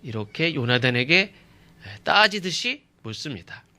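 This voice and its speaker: A man's voice: fairly high pitch, sing-song, unhurried, sharp tone. A male pastor giving an expository sermon who keeps asking the congregation rhetorical questions and often uses fillers like "uh" and "yes".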